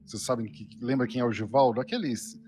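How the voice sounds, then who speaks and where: A man's voice: medium pitch, fairly even intonation, fast talker, mellow. A Brazilian man chatting casually as a panelist on a reaction show. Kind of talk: casual chat. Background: music.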